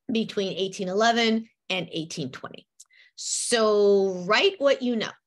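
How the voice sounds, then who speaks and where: A woman in her fifties, born in Ukraine and raised partly in the United States, telling stories in an animated way at an author talk, speaking from home on a video call. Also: fairly high pitch. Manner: animated, gestures a lot, acts out quotes. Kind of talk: lively storytelling talk. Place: home room with bookshelves. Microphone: webcam on a video call.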